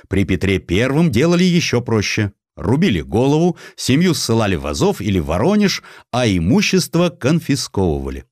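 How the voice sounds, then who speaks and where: A man reading a historical story as an audiobook narrator, in a measured, expressive literary style. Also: medium pitch, no echo, studio quality.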